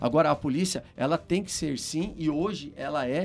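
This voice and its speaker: A man speaks in a normal speaking voice at a fairly slow pace, his fairly high pitch carried by lively intonation. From Brazilian Northeast, Paraíba backlands. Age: 40s. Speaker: police captain and political candidate. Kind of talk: interview.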